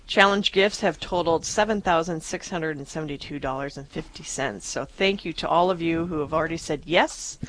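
Woman, radio host, pledge drive, upbeat, lower voice, studio. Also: brisk, few pauses, low-quality recording. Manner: upbeat, reads donor thanks and phone numbers.

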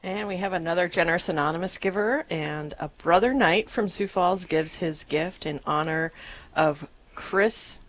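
A woman's voice: fairly low pitch, normal speed, fairly bright tone. A woman co-hosting a live radio fundraising drive, reading donor thanks and repeating the call-in number in an upbeat way.

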